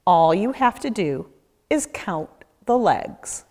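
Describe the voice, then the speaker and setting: A woman narrates a children's nature book at an unhurried pace. Her mid-pitched voice rises and falls animatedly, with deliberate pauses for young listeners. The room adds a long, echoing reverb. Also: expressive, darkish tone. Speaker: nature educator reading a children's book aloud. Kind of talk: children's read-aloud narration.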